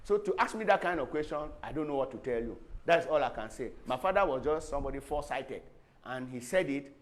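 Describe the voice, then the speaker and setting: A man, a lawyer earnestly recounting events in an interview with measured, repetitive phrasing. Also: mid-range voice, expressive. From Cameroon.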